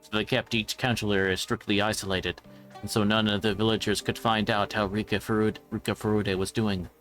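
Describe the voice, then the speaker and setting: A man's voice: fairly low pitch, flat delivery, brisk, a bit bright, poor audio. A man reading a visual novel's narration aloud on a livestream, now and then stumbling over a word. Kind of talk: scripted narration read aloud live. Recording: background music.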